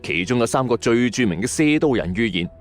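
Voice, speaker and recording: A man narrates scripted late-night mystery stories in Hong Kong Cantonese, his pitch swinging in a lively way. He speaks in a mid-range voice with colloquial storyteller's asides, over background music. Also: fairly quick. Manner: storyteller's delivery with rhetorical questions and colloquial asides. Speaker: host of a mystery story channel.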